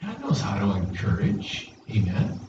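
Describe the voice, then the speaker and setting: A man's voice: lowish voice, wildly swooping pitch, a little slow, a little mellow, slight background noise. A male pastor's sermon voice, heard from far back in a very echoey church hall on a dull, muffled recording. He keeps the congregation involved, tossing them questions and asking for replies. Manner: engaging, questions the congregation and calls for responses. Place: church sanctuary.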